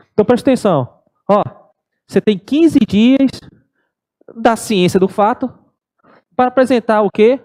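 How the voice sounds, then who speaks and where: A middle-aged Brazilian woman giving an animated exam-prep law lecture, acting out courtroom exchanges in shifting voices. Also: fairly high pitch. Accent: Brazilian Portuguese. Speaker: law teacher.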